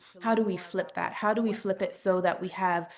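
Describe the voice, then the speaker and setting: A woman's normal speaking voice with ordinary pitch variation. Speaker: funder working on Caribbean feminist movements. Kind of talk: webinar panel talk.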